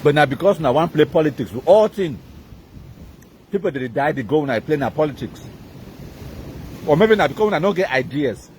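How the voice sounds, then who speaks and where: High-voiced Cameroonian man ranting. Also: animated, fairly quick, long pauses, darkish tone, a little hiss or hum. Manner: emphatic, repetitive, mixing pidgin and English. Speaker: live-stream commentator. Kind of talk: live-stream rant.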